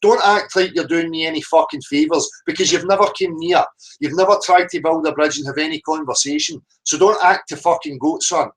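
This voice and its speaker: A man's voice: on the high side, fairly quick, poor audio. A man with a Scottish accent delivering an impassioned, confrontational unscripted rant as a livestream host, blunt, insistent and heavily sweary. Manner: confrontational, insistent, tagging points with "right?".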